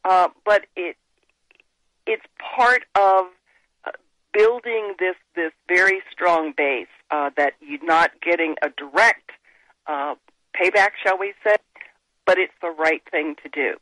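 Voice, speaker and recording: A woman guest on a radio show who explains business ideas earnestly, pausing and restarting her sentences. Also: on the low side, fairly bright tone, no room sound, low-quality recording. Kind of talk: casual radio interview.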